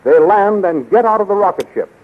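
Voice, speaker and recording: High-voiced 1930s radio announcer, male. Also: expressive, a little fast. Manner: formal, dramatic declamation. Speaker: announcer and narrator. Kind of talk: 1930s radio serial narration, scripted. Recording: tinny, faintly noisy 1930s radio recording.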